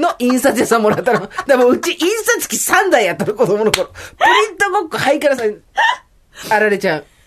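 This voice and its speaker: A woman speaks in a high voice with an animated tone and very wide pitch swings, at a fairly quick pace. Her loudness swings widely, with noticeable background noise. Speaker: radio co-host. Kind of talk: casual chat.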